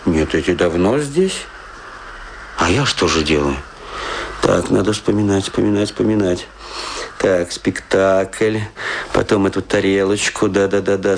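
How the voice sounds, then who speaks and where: A man playing a disillusioned, drunken provincial stage actor, self-mocking and brooding, in a theatrical radio drama monologue that rambles with pauses. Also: fairly low pitch, slight background noise.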